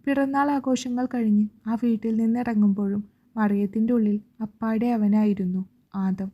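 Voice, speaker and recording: Female storyteller, steady romance narration, dull lo-fi sound. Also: mid-range voice.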